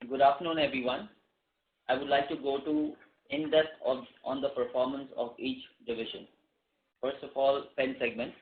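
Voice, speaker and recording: An Indian-accented man delivers a scripted business presentation as a company executive. His voice sits at an ordinary pitch. The sound is thin and phone-like, with noticeable room echo. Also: fairly even intonation, normal speed. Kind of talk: scripted earnings call presentation. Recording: roomy, band-limited conference call audio.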